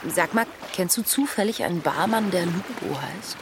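A woman's voice: lowish voice, animated, normal speed, background noise. An actress playing a frank, wry woman in her thirties in a naturalistic radio play, talking in a slangy, offhand way. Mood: wry, chatty. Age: 30s. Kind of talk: naturalistic conversational radio drama. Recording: loud splashing water behind the voice. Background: sea water splashing and trickling.

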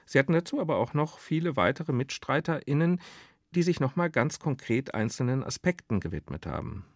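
Man, medium pitch, radio host, articulate prepared presenting, dry studio sound. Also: animated, brisk, no echo. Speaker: interviewer, host.

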